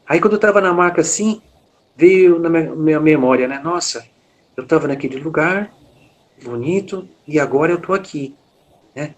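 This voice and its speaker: A man's voice: on the high side, moderate pace. Hesitant Brazilian man recounting an experience. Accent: Brazilian Portuguese. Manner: frequent filler "né", hesitant restarts. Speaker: interview guest. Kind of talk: personal testimony in conversation.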